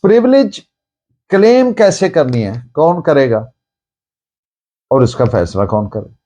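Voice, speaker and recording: A man with a Pakistani accent giving a lecture in a deliberate, emphatic, didactic way, mixing in English phrases. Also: fairly high pitch, sing-song, mellow. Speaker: law lecturer. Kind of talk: lecture on evidence law, dictating citations.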